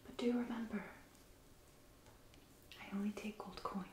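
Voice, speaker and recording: A woman in her thirties playing a soothing, slightly sinister witch in a soft-spoken, whispered ASMR role play. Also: mid-range voice, steady tone, roomy sound, distant mic, background noise. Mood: sly, satisfied. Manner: slow, deliberate, soothing. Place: small indoor room.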